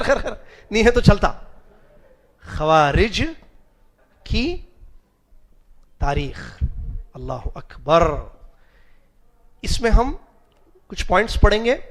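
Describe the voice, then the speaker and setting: A man teaching a class on religious history, often questioning his students, slowly spelling out Arabic root letters and mixing English words into his talk. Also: high voice, gravelly. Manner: chuckles and jokes with students. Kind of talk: classroom lecture.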